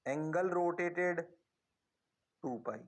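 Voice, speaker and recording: A male physics teacher giving a lesson, coaxing his students with rapid-fire questions that he answers himself and slipping English phrases into his explanations. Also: a little high. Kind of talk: classroom lesson.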